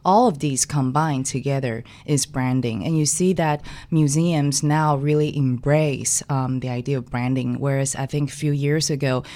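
A woman's voice: a bass voice, steady tone, moderate pace, few pauses, dark tone. A young woman from Taiwan, guest in an interview, talking casually with many fillers and restarts. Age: young adult. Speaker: guest designer.

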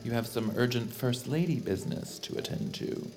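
A man's voice: medium pitch, normal speed, loud music behind the voice, natural voice. A man playing a dutiful White House aide in an audio drama, formal and careful. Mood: urgent, careful. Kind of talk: audio fiction acting.

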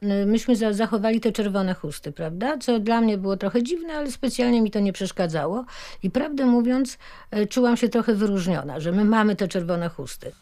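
A woman's voice: mid-range voice, expressive, brisk, mellow. An older woman thinking back on her youth in a reflective, hesitant way, searching for words. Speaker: interviewee, former youth group member. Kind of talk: spoken reminiscence in a documentary.

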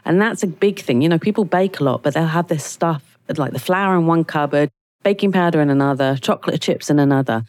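Woman podcast host, deep-pitched and croaky from a cold, casual and rambling, dry close recording. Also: fairly quick, a little mellow, no echo. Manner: chatty, rambling with fillers and restarts. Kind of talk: casual solo podcast talk.

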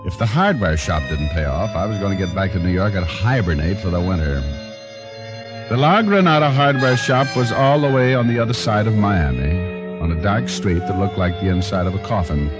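A hard-boiled private eye cracks wise in a very deep voice. A music score plays clearly underneath him in an old radio drama. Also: male voice, animated, moderate pace. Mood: narrating. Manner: wisecracking. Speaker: private detective. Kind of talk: 1940s radio acting.

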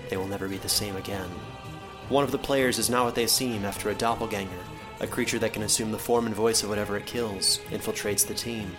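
A low male voice announces a fantasy horror podcast trailer. The narration is scripted and dramatic, with instrumental music clearly underneath. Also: rough recording. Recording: clear music bed behind voice.

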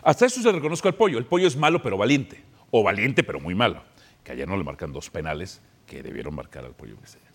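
A man's voice: lowish voice, very animated, quick pace, slightly rough. A man debating football on a studio sports talk panel, combative and mocking. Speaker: sports pundit.

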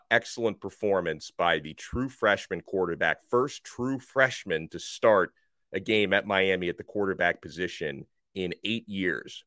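Slightly hoarse, emphatic male sports host. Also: deep voice, no echo, studio quality. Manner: energetic, emphatic, rising to near shouts. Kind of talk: college football talk with ad read. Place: radio studio.

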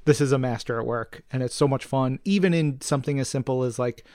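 A man's voice: mid-range voice, fast talker, dark tone, no echo, clean studio sound. A man co-hosting a podcast in a casual, enthusiastic and effusive chatting style. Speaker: podcast co-host.

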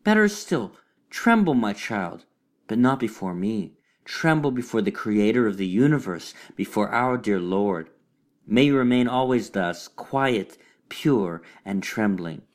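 A man's voice: on the low side, lively intonation, measured pace. A man voicing a sanctimonious, hypocritical white female cat in a storybook reading, talking in a sweetly preachy, cooing way.

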